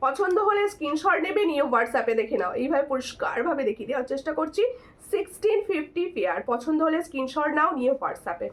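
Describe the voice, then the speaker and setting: A hoarse woman runs a live-stream jewelry sale in a high, lively voice. She talks chattily and repeats her pitch over and over, thanking viewers by name and urging them to take screenshots. Her delivery swings up and down as she shows each piece. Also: fast talker.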